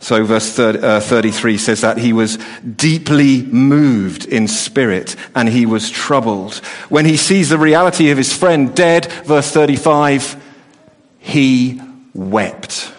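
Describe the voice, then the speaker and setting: A middle-aged man preaching a sermon, earnest, often restarting and repeating words as he talks. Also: mid-range voice. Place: church hall. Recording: long reverb of a hall.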